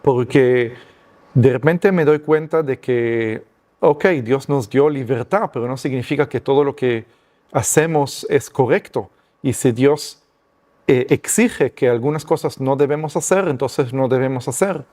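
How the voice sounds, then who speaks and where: Hombre israelí, español titubeante. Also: male voice, medium pitch, measured pace, a little mellow. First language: Hebrew. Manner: hesitant, many fillers and restarts, searching for Spanish words. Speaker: guest giving testimony. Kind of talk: personal testimony interview.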